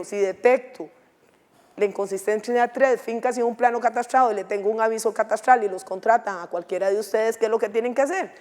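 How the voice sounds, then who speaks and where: A woman giving a conference lecture to students, often asking the audience questions. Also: on the high side. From Costa Rica. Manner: lively, questioning the audience with frequent tag questions. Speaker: legal advisory coordinator giving a talk. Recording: long hall reverb.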